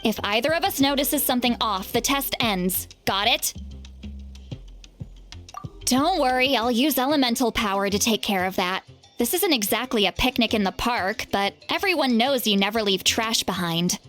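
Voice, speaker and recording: A fairly high, youthful female voice for a seasoned tribal elder in a video game. She is confident and brisk, teasing but caring. Faint music sits behind her. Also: expressive, a bit bright. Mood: serious. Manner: brisk, self-assured, teasing yet caring. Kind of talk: video game character acting.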